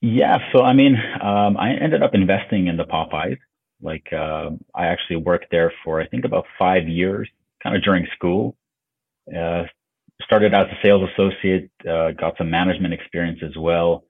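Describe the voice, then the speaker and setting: Man from slovakia, very low voice, husky, relaxed guest chat, tinny phone-like call audio. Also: normal speed. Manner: relaxed, loose, many fillers. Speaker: podcast guest, business owner. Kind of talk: casual interview chat.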